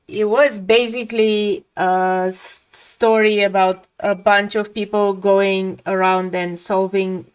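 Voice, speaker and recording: Slow, clear-voiced woman from Romania. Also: medium pitch, low-quality recording. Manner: rambling, reflective, trails off mid-sentence. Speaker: artist live-streaming. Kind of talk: casual chat while painting.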